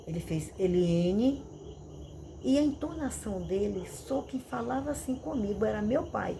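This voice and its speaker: A middle-aged woman pastor, telling her testimony in an animated storytelling way with dramatic repetitions. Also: on the high side, moderate pace, vocal fry, slight background noise. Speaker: missionary and pastor. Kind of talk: testimony preaching. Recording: crickets and insects chirping behind.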